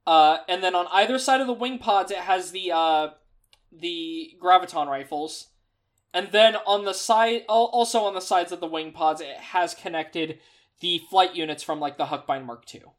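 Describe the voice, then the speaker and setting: A woman's voice: fairly low pitch, moderate pace. Rambling exasperated woman co-host. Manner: rambling, exasperated, lots of fillers. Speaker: podcast co-host. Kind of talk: casual chat about mecha designs.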